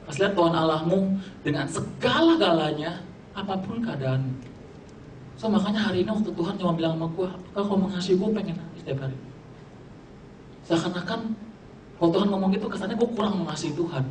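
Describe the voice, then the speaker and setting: A man's voice: high-pitched, animated, fast talker, long pauses, slight background noise. A young man preaching a casual sermon, mixing slang and English and joking with his audience. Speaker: youth preacher. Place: church hall. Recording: echoey hall, distant mic, faint ambience.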